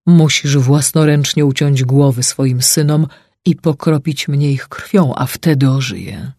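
A man voicing a steadfast, dignified male servant, speaking solemnly and measured, with a husky voice. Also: mid-range voice, darkish tone, dry recording, studio quality.

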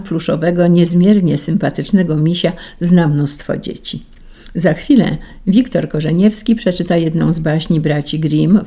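Low gravelly female radio presenter. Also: warm tone. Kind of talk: program announcement.

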